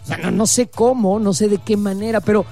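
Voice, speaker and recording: A man's voice: sits high, a little fast, gravelly, mellow, soft background music. A Mexican man co-hosting a talk show, giving blunt, profane opinions. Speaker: co-host. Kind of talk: casual opinion commentary.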